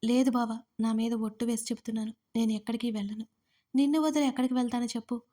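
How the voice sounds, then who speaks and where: A woman's voice: a little high, steady tone, fast, mellow, lightly acted. A woman voicing a frightened, tearful young wife who speaks timidly.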